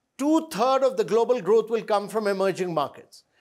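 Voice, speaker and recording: Against a quiet background, a man speaks with an extremely high pitch. His pitch moves in an ordinary way. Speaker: interviewee. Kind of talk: interview answer. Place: studio.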